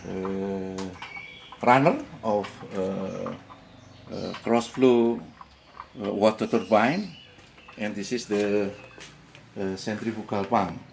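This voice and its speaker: Older man, slow, halting second-language English. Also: lowish voice, fairly even intonation, darkish tone, a little hiss or hum. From Indonesia. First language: Indonesian. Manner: hesitant, many fillers and repeated words. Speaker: lecturer giving a lab tour. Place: garden workshop, indoors and outdoors. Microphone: handheld camera close by. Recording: echoey with clear background ambience.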